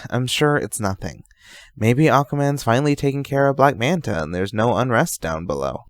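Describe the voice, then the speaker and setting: A man's voice: medium pitch, expressive, normal speed, dry recording, studio quality, close to an everyday voice. A man playing a young, easygoing sorcerer in an audio drama, speaking in an articulate, slightly formal way. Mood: reassuring. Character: concerned, easygoing young male sorcerer sidekick. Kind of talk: amateur audio drama acting.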